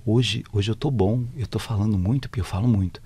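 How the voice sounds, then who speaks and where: A man's voice: lowish voice, brisk, warm tone, breathy edge. A man voicing an earnest, talkative male mourner who cries at wakes, in a plaintive, questioning way. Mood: sad.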